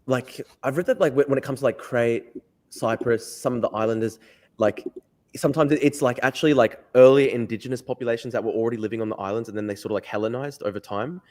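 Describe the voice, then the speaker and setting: A quick-talking man hosting a podcast interview, his sentences tumbling out in a loose, rambling way. He leans heavily on "like" and circles around his point before reaching his question. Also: mid-range voice, darkish tone. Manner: rambling, heavy use of "like". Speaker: podcast host. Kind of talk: casual interview.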